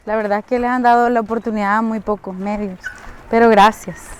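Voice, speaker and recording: A woman's voice: medium pitch, fairly even intonation, brisk, a little mellow. Salvadoran lady explaining stuff to a group, lots of "este", noisy background. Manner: hesitant, many fillers. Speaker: women's collective advocate. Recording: noisy on-location recording.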